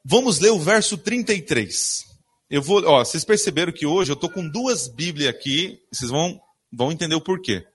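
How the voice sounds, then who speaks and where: A man with a fairly high, husky voice delivers a sermon in church at a moderate pace, animated throughout. He reads Bible passages aloud and poses questions to the congregation that he answers himself.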